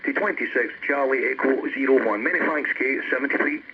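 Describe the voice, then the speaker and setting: A man's voice: medium pitch, fairly quick. A man with a Scottish accent making casual contact as a CB operator, heard through a radio transmission. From Scotland. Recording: dull, noisy CB radio reception.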